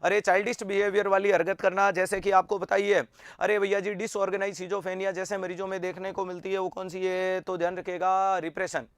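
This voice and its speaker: A man teaching an online nursing exam lecture, energetic and quizzing students with repeated rhetorical questions. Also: high voice, fairly quick, clean tone, no room sound.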